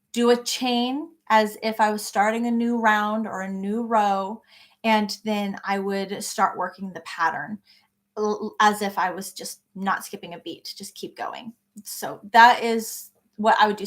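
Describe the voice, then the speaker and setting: With a mid-range, slightly bright voice, a woman runs a casual live crochet session. She reads viewer comments and replies encouragingly, calling people by name.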